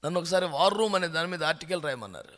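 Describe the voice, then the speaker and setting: Male pastor, lively sermon delivery full of rhetorical questions, voice on the higher side. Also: racing. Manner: animated preaching with rhetorical questions and anecdotes; mixes English words into the sermon.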